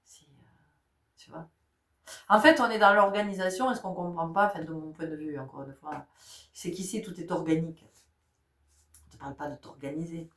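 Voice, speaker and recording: A woman's voice: on the low side, pushed and bright. A middle-aged woman with a stuffy nose from a cold, giving a casual spiritual talk that speaks directly to listeners and often breaks into laughter. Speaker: spiritual guide. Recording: roomy sound, distant mic.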